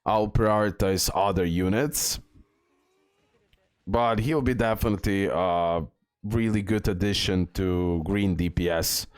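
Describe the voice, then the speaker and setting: A man's voice: low-pitched, fairly even intonation, unhurried, clean tone, dry recording, studio quality. A man giving casual game commentary as a video host, rambling and repeating words with many fillers.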